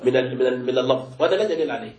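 شيخ سريع الكلام بلهجة مصرية في قاعة درس. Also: male voice, medium pitch, animated, very fast, reverberant, crowd noise. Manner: explains by asking the class and answering himself. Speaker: sheikh teaching a book class. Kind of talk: classroom lecture with questions.

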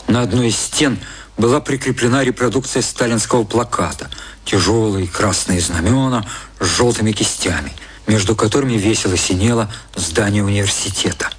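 A man narrating a satirical literary radio play in a measured, composed way. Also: on the low side, a little hiss or hum, close to an everyday voice. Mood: composed, ironic. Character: composed male storyteller of a satirical novel. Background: loud music.

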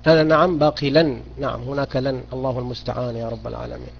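A man's voice: medium pitch, fairly even intonation, rapid-fire, gravelly, slight background noise. Man teaching grammar, lo-fi audio. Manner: questioning, repeats points, urges students. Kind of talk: online grammar lesson. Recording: dull lo-fi audio.

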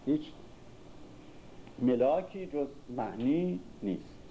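Over narrow, tinny audio with faint background noise, an older literature teacher lectures on classical poetry in a medium-pitched voice with lively intonation. He recites verses, explains them casually, and quizzes his audience as he goes.

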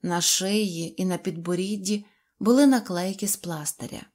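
A woman's voice: on the low side, normal speed, a little mellow. Woman reading a children's story. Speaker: narrator. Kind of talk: audiobook narration of a children's tale.

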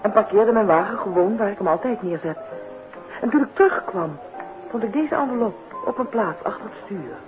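An actress playing a polite, earnest, apologetic countess in a 1950s radio drama. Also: female voice, mid-range voice, lively intonation, brisk, lightly acted. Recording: narrow 1950s radio recording with music.

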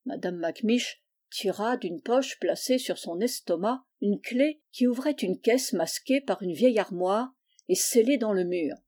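A woman narrating a classic children's novel in an even, measured reading voice. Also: medium pitch. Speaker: audiobook reader. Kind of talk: storybook narration.

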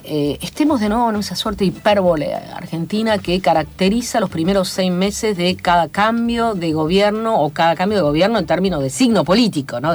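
A woman from Chile with a Chilean Spanish accent, a guest in a radio studio interview, talking in a measured, lecturing way full of fillers. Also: medium pitch, darkish tone. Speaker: guest, academic commentator. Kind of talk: radio interview, analytical talk.

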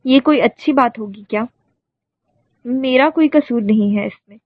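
A carefree young woman brushes off the worry around her in a flippant tone, voiced by a woman storyteller. The voice is husky and a little high. The audiobook recording sounds dry and tinny. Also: no room sound, close to an everyday voice. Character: carefree, teasing young woman eating dessert.

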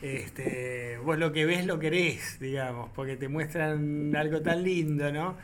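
A man's voice: on the high side, takes it slowly, noisy background. A man with an Argentine accent hosting a radio interview, hesitant and heavy with fillers. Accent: Argentine Spanish. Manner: hesitant, full of "este" fillers. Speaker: radio host. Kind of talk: casual interview chat.

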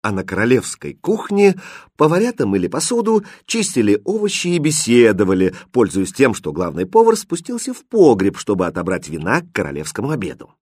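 Expressive husky male storyteller. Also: medium pitch, brisk, dry recording, studio quality. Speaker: narrator. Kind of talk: audiobook fairy tale reading.

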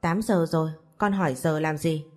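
A woman voicing a stern, quick-tempered young father who scolds curtly, in a storybook reading. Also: sits low, darkish tone, faint music behind. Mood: gentle. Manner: curt, scolding.

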